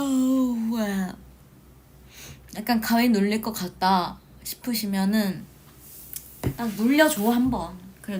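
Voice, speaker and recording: A young woman in her twenties, an idol hosting a casual livestream from a small room at home, chatting and telling animated stories. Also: mid-range voice. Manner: chatty, animated storytelling with shouted quotes. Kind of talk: casual livestream chat reading comments.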